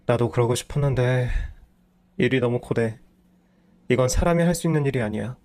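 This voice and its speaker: A man's voice: mid-range voice, brisk, a little mellow, natural voice. A man voicing a lazy, self-pitying husband who makes excuses, in a storybook reading. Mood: defensive. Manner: whiny, defensive.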